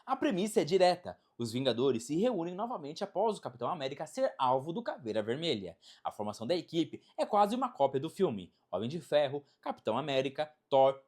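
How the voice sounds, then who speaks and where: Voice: medium pitch, a little mellow. A Brazilian narrator with an emphatic, dramatic delivery, reading a scripted video essay.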